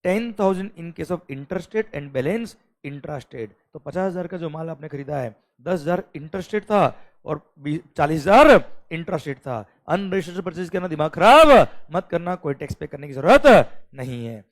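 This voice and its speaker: An Indian man teaching an exam-prep lecture, mixing English and Hindi, calling students "beta" and asking "clear?" often. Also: a little high, animated. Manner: calls students "beta", asks "clear?" often, reads English questions slowly.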